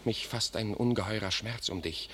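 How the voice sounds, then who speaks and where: An actor playing a defiant, proud English prince and warrior in a classic radio drama, declaiming with passion. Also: male voice, lowish voice, normal speed, a bit bright, breathy edge, faint music behind. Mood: pitying, urgent. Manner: declamatory, impassioned. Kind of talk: classic German stage-style radio drama acting.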